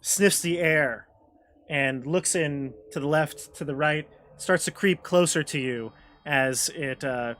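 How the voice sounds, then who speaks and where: A man's voice: fairly high pitch, takes it slowly, fairly bright tone. A man working as game master, improvising tabletop game narration and often searching for his words.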